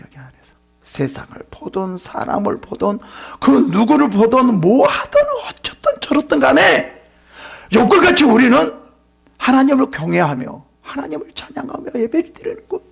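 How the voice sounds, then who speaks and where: Male pastor, raspy and gravelly, animated sermon that swoops up and down. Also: extremely high pitch, moderate pace. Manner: animated preaching that swings from loud to whispered.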